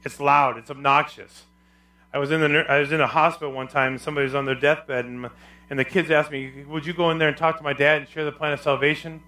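Loud, emphatic male pastor preaching. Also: a little high, little pitch movement, fast talker. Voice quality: loud, carrying voice. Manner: emphatic preaching with repeated parallel phrases. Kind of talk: sermon.

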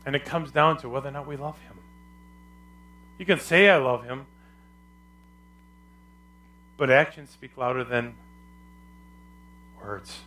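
A male pastor preaching a sermon with a loud, carrying voice and emphatic, repetitive phrasing. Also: mid-range voice, normal speed, long pauses.

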